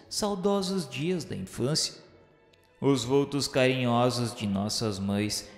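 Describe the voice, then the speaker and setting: Man voicing a solemn penitent spirit in a reverberant hall. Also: on the low side. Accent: Brazilian. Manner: solemn, formal, literary diction. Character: remorseful male spirit of a suicide recalling the afterlife. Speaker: narrator. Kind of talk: dramatized first-person narration of a radio novela. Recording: echoey hall reverb with music.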